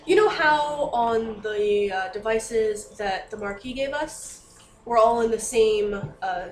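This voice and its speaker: A woman's voice: on the high side, slow pace. A woman playing a tabletop role-playing game, explaining things casually and a little hesitantly. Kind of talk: casual in-character game discussion. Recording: roomy, distant mic, faint noise.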